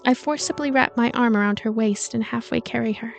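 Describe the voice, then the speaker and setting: A woman reading a visual novel aloud in an expressive storytelling way, with casual commentary asides. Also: on the high side, a little fast, vocal fry. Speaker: let's play narrator and commentator. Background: game music.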